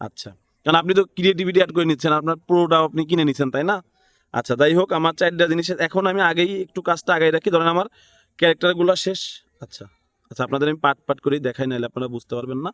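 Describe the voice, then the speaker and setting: A man's voice: on the high side, a bit bright. A man with a Bangladeshi accent giving a casual, unscripted step-by-step tutorial, thinking aloud and often checking in with short tag questions. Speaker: tutorial instructor.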